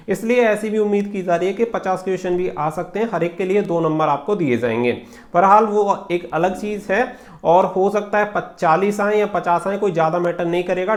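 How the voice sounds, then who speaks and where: A man giving informal exam guidance as a channel host, explaining and repeating points with English terms mixed in. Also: high-pitched. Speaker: exam preparation coach and YouTube channel host.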